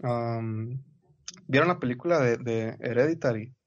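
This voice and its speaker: A man's voice: mid-range voice, measured pace. Slangy Mexican man, dull lo-fi sound. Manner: laid-back slangy talk, peppers sentences with "güey". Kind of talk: casual podcast chat.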